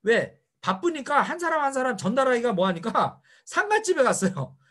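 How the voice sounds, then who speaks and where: A man's voice: very high-pitched, very animated, normal speed, a bit bright. A middle-aged man giving a motivational seminar lecture, firing rhetorical questions at his audience. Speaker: seminar speaker.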